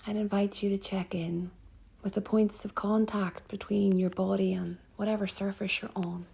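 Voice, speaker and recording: A woman yoga teacher from Northern Ireland, guiding a sleep meditation in a soft, slow, soothing voice that often drops near a whisper. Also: medium pitch, little pitch movement, gravelly, slightly rough.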